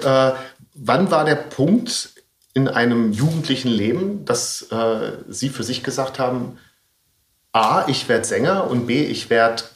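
A man interviewing a guest, putting his questions in a conversational style. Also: medium pitch. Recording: roomy, echoing sound.

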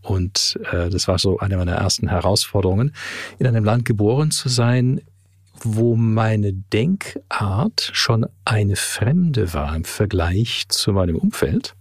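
A man in his forties, raised in Canada and speaking with a slight tinge, answers interview questions thoughtfully, with pauses and fillers. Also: on the low side, animated, dry recording, clean studio sound. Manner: thoughtful, hesitant, many fillers. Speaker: podcast guest.

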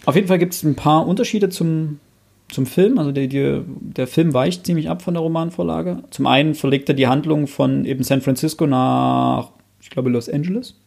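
A man with a dark, gravelly voice talks in relaxed podcast chat. He thinks aloud, restarts his sentences and gets keen when recommending things. He is close on a studio mic. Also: fairly high pitch, moderate pace. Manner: enthusiastic recommender. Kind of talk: casual chat.

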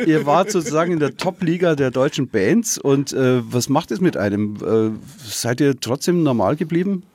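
A man's voice: a little high, animated, moderate pace, a little mellow, slightly rough. A man hosting a radio interview, asking playful, teasing questions. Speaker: radio host.

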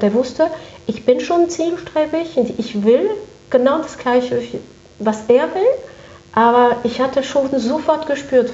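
A woman's voice: fairly high pitch, mellow. A woman speaking as an interview guest, recounting her work conversationally and repeating phrases for emphasis. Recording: echoey room, dull muffled sound.

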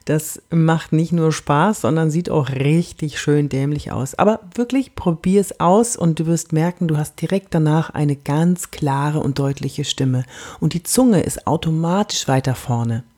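A woman from Franconia hosting a coaching podcast, animated and emphatic, with whispered asides. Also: sits low, unhurried. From Franconia, Germany. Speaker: podcast host and body-language coach.

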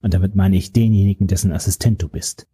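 A man voicing a gruff old male investigator who speaks slowly and growls his words. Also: steady tone, mellow. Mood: grim. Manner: slow, low, growling. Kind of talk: audiobook character voice.

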